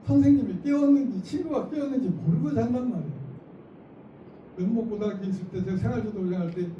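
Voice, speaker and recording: A middle-aged man with a high voice lectures a room of teachers, acting out what students and teachers say. He sounds distant from the mic, with a lot of room echo. Background noise runs under his voice. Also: fast, lo-fi sound. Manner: lively, acts out classroom lines, laughs often. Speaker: teacher trainer. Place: school auditorium. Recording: echoey hall, mic from far off, noisy.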